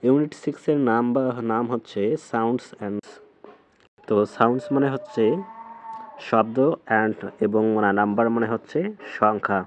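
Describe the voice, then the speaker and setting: A man with a Bangladeshi accent, teaching a textbook lesson slowly and patiently, repeating words and splitting them into syllables. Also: mid-range voice, slight background noise.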